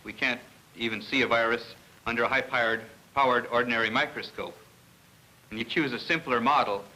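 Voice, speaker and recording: A man, a research scientist, giving an educational lecture in a measured, didactic way with pauses mid-sentence. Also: medium pitch, bright, forceful tone, slight background noise, low-quality recording.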